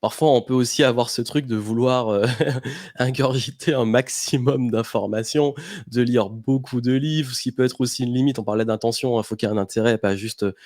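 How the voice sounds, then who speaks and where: A man's voice: mid-range voice, normal speed, a little mellow, dry recording. A man with a mid-range voice hosting a podcast, recorded dry and close with no room sound. He asks his guest questions with curious, engaged interest. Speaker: podcast host. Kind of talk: casual interview conversation.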